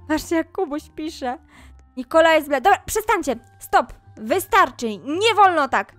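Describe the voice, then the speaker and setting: In a dry recording, a very high-pitched, fairly bright female voice delivers roleplay gameplay commentary. The Roblox YouTuber acts as a mom scolding her children while tossing asides to the audience.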